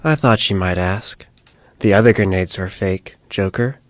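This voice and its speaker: Man playing a cool, low-voiced young schemer. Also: measured pace, no echo. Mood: calculating. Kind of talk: audio drama acting.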